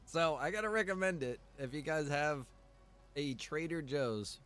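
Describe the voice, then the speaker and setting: Casual male streamer, rambling and halting. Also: fairly high pitch, fairly bright tone. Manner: rambling, halting, with repeated informal asides. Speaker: livestream host. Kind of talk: casual chat to stream viewers.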